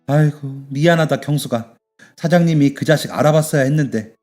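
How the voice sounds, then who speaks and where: A man's voice: fairly high pitch, brisk, darkish tone, faint music behind, natural voice. A man voicing a blunt but kind middle-aged male shop owner who talks to his young worker like a father in a radio story. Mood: gruff caring.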